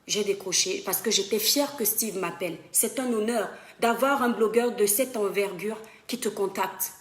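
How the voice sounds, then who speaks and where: A woman's voice: medium pitch, moderate pace, echoey room. A young woman talking straight to her viewers in an impassioned live-stream monologue. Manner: impassioned, addresses viewers as "mes étoiles". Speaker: social media live streamer. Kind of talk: emphatic Facebook live monologue. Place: home in western France.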